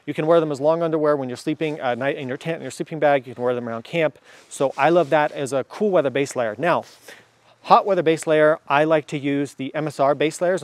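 A man in his thirties giving a casual, enthusiastic motorcycle gear review to camera outdoors, with lots of fillers. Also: a little high. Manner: enthusiastic, chatty, many fillers.

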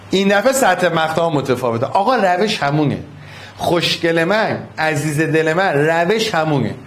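A man teaching a physics problem to an online class, coaxing and affectionate, repeating each step. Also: high-pitched.

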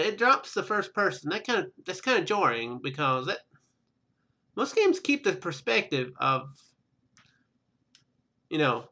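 Bright, animated man doing casual game commentary. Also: high-pitched. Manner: rambling, joking. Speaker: let's play host.

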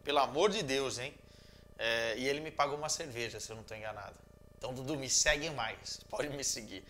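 A man in his thirties with a Brazilian Portuguese accent, a football commentator casually answering viewer messages in a joking, animated way from a small room at home. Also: medium pitch, a little fast, slight background noise. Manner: animated, joking, gestures a lot. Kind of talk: casual chat.

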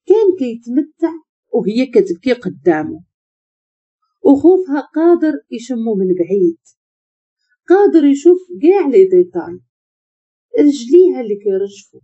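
A woman with a Moroccan accent narrates a dramatic story with lively, expressive swings of pitch. Her voice is husky, very mellow and fairly high. The recording sounds muffled and lo-fi. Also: moderate pace, pauses often.

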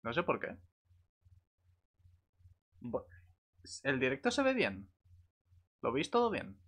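A man's voice: medium pitch, huge pitch swings, slow, fairly bright tone, husky. A man with an accent from Spain, chatting casually as a livestreamer while gaming. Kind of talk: casual gaming stream chat.

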